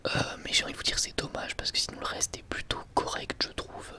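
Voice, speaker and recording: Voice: brisk, pushed and bright. An ASMR host whispering a casual, drily ironic product presentation in a hesitant, conversational way.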